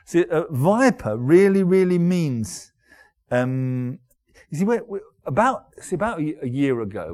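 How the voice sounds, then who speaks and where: A middle-aged man from Derby, preaching a sermon as pastor in a conversational, halting way, often restarting and repeating words. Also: medium pitch, a little mellow. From Derby, England.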